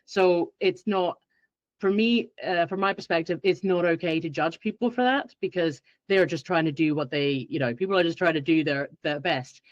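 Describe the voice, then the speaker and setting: A woman's voice: on the low side, normal speed, dry recording. Woman, podcast guest, acts out her own thoughts, dry muffled sound. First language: Finnish. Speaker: guest expert. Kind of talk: podcast interview.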